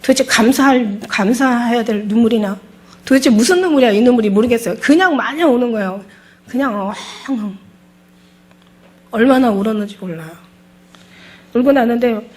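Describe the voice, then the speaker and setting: Fervent woman pastor giving testimony. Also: a little high. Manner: fervent, emotional, repeats words. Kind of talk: testimony sermon.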